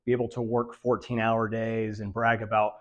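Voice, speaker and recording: A man presenting a health lecture to seniors in a meeting room, his voice raspy and nasal and a bit dry from allergies, talking in a monotone with many fillers. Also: on the low side, normal speed. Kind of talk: live lecture to a senior audience.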